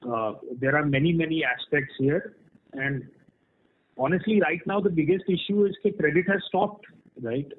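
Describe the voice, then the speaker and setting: A man's voice: a little high, normal speed, a little hiss or hum. Muffled call-line man, frank executive. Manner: frank, explanatory, often checks with "right?". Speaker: company executive answering analysts' questions. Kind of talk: earnings call question-and-answer, spontaneous explanation. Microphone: conference call. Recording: muffled band-limited conference call line.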